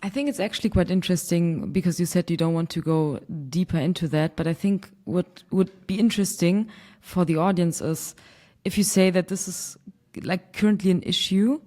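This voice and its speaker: Podcast host, woman from Germany, low pitch, chatty, laughs easily. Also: moderate pace, dark tone. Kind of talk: casual podcast interview. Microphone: remote call.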